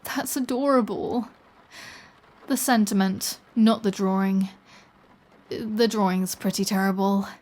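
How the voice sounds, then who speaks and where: A woman's voice: mid-range voice, steady tone, darkish tone, natural voice. A woman playing a flirty, taunting, predatory vampire in an intimate audio roleplay, with a teasing, sardonic delivery. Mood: teasing, amused. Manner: slow, teasing, sardonic, casually profane.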